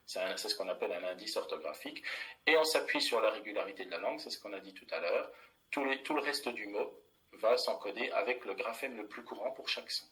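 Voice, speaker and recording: A man's voice: fairly low pitch, quick pace, sharp tone, poor audio. A middle-aged man, a primary school teacher, explaining a classroom method in a plain, methodical way with many fillers and restarts.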